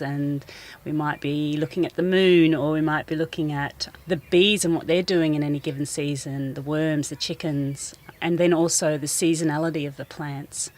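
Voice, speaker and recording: Low-voiced New woman, earnest. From New Zealand. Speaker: school garden teacher. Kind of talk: radio interview, outdoor. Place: school garden outdoors.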